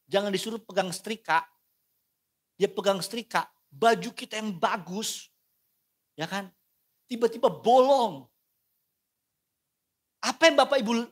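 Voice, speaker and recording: A man preaching a sermon, animated and playful, often asking the congregation questions. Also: sits high. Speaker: pastor.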